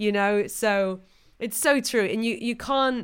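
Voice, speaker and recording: In a very clean recording with a silent background, a woman with an ordinary speaking voice talks at a fairly slow pace with ordinary pitch variation. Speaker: podcast host. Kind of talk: casual interview chat.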